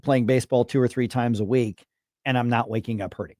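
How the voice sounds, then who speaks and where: A man in his fifties hosting a casual radio talk show interview, chatty and halting, often restarting his sentences. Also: medium pitch, steady tone, dark tone, dry recording, clean studio sound. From United States. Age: 50s. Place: radio studio. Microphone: studio microphone.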